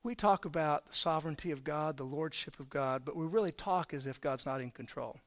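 A middle-aged man preaching a sermon, telling personal stories in a conversational way that swings from quiet to loud emphasis. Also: a little high, a little fast. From Texas, raised in Florida.

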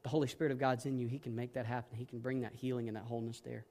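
A middle-aged male pastor preaching a sermon in an earnest way, swinging between hushed, gentle passages and emphatic ones. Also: medium pitch, level tone, very fast.

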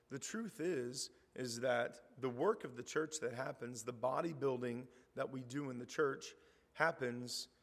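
A hoarse middle-aged man preaching in a church hall, the long reverb trailing after his words. His pitch sits in the middle range, and his talk is easy and conversational, rising in emphasis when he reads scripture aloud. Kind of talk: sermon.

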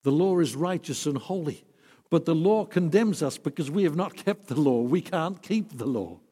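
A man preaching a sermon, earnest, swinging from emphatic peaks to soft, quiet passages. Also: on the high side, lively intonation, normal speed, slightly rough. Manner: earnest, rising to emphatic then dropping soft. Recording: long hall reverb.

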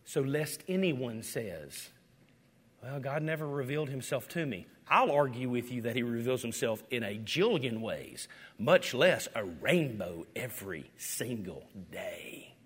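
A man preaching a sermon as pastor, animated and swinging from loud to hushed. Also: mid-range voice, a little slow, breathy edge. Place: church sanctuary. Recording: echoey hall with long reverb.

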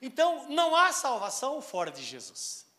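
High, bright-voiced emphatic preacher man. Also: huge pitch swings, normal speed. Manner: emphatic preaching with sweeping pitch and loudness swings; quotes scripture and acts out voices in a raised tone. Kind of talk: sermon.

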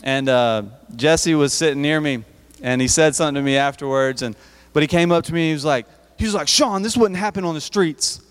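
A man's voice: mid-range voice, fairly even intonation, brisk, clean tone. A man preaching at a youth service in a church hall, talking conversationally and often repeating and restarting his words. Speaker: youth speaker. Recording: reverberant hall.

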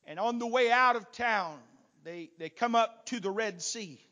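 A man preaching with a very high, bright, forceful voice. He moves from hushed, murmured asides to loud, shouted calls. He keeps a preacher's rising, rhythmic delivery. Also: unhurried. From not from Texas. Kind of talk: sermon.

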